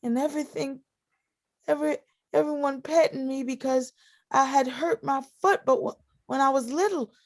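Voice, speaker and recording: A woman's voice: high voice, steady tone, normal speed. A woman playing a frail, timid, anxious and devoted young sister in a stage play reading. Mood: wistful, fearful. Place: video call play reading.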